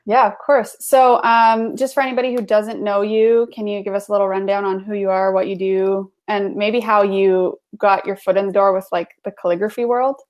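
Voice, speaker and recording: Woman host for a live video chat, easygoing and talky, middle pitch. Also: steady tone, normal speed, few pauses, darkish tone. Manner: chatty, filler-heavy. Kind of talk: casual live video interview.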